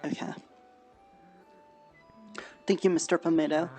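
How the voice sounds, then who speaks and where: Low-voiced woman, soft and hesitant. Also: fairly even intonation, measured pace, soft background music. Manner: hesitant, restarts often, soft reassuring tone. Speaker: roleplay player running a farm. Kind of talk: casual in-character roleplay chat. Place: online virtual world voice chat.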